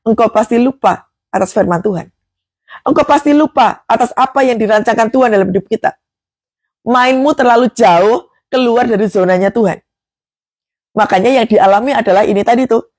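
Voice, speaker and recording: A woman's voice: fairly high pitch, a little mellow, dry recording, clean studio sound. A woman preaching a devotional sermon, emphatic, with rhetorical questions and acted prayers.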